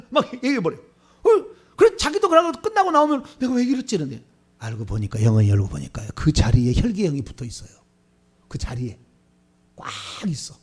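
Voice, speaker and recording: Fervent high-pitched man leading prayer. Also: huge pitch swings, brisk, slightly rough. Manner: fervent, declamatory prayer with surging emphasis. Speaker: pastor. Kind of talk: sermon and led repentance prayer.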